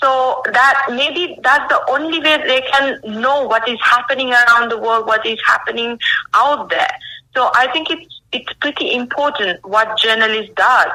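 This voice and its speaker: In a Sri Lankan accent, a woman projects a raised voice at a high pitch, with ordinary pitch variation and a fairly slow pace. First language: Sinhala. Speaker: journalist. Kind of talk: interview. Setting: internet radio show.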